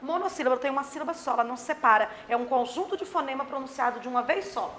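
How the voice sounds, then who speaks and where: A woman's voice: high voice, rapid-fire, fairly bright tone, slight background noise. A woman teaching a grammar lesson to children, acting out her pupils' questions herself. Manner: plays imagined pupils' questions.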